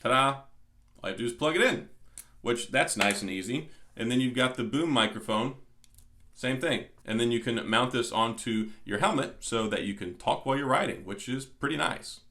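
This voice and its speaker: A man with a medium-pitched voice presents an unboxing in a casual, explanatory way. He talks like a product reviewer, going through each item step by step. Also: normal speed, pushed and bright.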